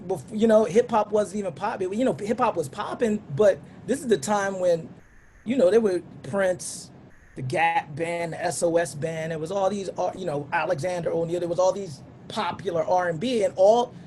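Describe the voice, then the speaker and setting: Middle-aged man, high voice, casual panel talk, faint hiss behind. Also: moderate pace, a little mellow. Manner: loose, conversational, many restarts and asides. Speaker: panelist, street dancer.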